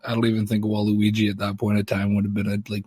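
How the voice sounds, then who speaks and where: Husky guy chatting on a podcast, kinda low voice, pretty flat delivery. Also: fast talker, no echo, clean studio sound. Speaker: podcast panelist. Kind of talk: casual podcast chat.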